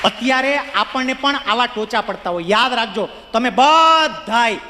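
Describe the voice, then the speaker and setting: Guy with a really high voice giving a pep talk to students, repeats stuff for emphasis, long hall echo. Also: animated, unhurried, background noise. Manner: emphatic, repeats key phrases, addresses audience directly. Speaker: motivational speaker. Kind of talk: motivational speech to students. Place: large hall with live audience.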